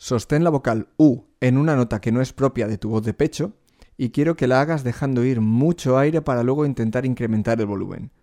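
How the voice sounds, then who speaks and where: A man teaching a singing lesson, explaining vocal technique clearly and speaking directly to the learner. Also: mid-range voice, a little fast, dark tone. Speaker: vocal coach.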